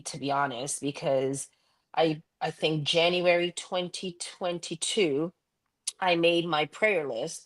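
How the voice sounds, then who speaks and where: A woman from Ghana, raised in Canada, answering interview questions earnestly about her career as a school vice principal. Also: deep voice. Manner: earnest, reflective, with frequent ums. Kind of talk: interview answers, candid personal story.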